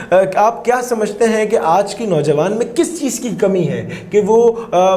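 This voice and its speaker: High-voiced male talk-show host, roomy echo. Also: a little mellow, a little hiss or hum. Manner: eager, keeps affirming the guest.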